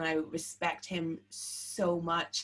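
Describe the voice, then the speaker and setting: A woman speaks with an Irish accent. Her voice is at a medium pitch. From Ireland. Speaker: wrestling vlogger. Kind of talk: casual vlog monologue. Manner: unscripted, informal.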